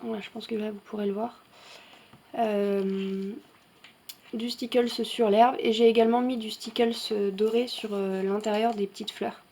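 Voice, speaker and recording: A woman's voice: mid-range voice, fairly even intonation, measured pace, warm tone. A woman hosting a coloring channel, talking casually through her finished pages with frequent fillers and self-corrections. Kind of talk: casual show-and-tell vlog.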